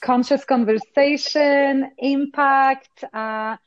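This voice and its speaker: A woman's voice: high voice, steady tone, dry recording, highs cut off. Polish-accented woman, reflective guest. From Poland. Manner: reflective, many fillers and pauses. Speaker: podcast guest, success coach. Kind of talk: conversational interview.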